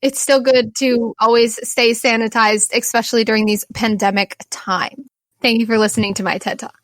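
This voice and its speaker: A woman's voice: on the high side, little pitch movement, moderate pace, no echo. A woman hosting as game master, narrating an improvised tabletop game. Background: background music.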